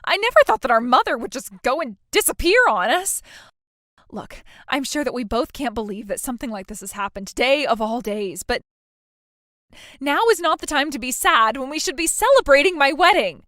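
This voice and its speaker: A woman's voice: high-pitched, animated, moderate pace, fairly bright tone, dry recording, studio quality. A young woman playing a self-absorbed, entitled bride who whines and stammers in a scripted drama. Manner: whiny, stammering, self-pitying.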